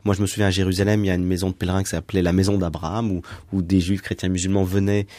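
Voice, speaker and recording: A man's voice: sits low, flat delivery, racing, mellow, dry recording. A man hosting a radio discussion, steering the conversation along in a conversational way. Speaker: host.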